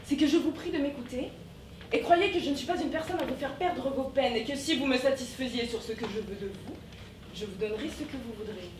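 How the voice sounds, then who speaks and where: A woman's voice: high voice, brisk, far from the mic, natural voice. A young woman playing a blunt, impatient man seeking advice in a stage comedy, exasperated in tone. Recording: roomy stage sound from afar, faint noise.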